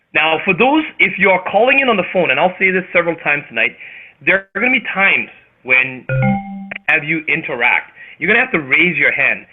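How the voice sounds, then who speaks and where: A man with a Canadian accent hosting a motivational group conference call, speaking emphatically and theatrically with dramatic pauses. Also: a little high. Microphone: phone or web conference call. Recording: tinny phone-line radio sound.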